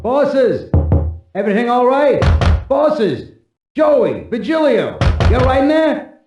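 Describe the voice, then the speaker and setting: A man's voice: very high voice, sing-song, takes it slowly, dull audio, over music, exaggerated voice. A man playing a tough, brash gangster in a video game. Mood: alarmed, aggressive.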